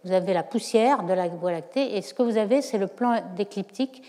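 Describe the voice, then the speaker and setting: A woman's voice: medium pitch, brisk, mellow. A woman giving a university lecture, explaining step by step with frequent hesitations. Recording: lecture hall reverb.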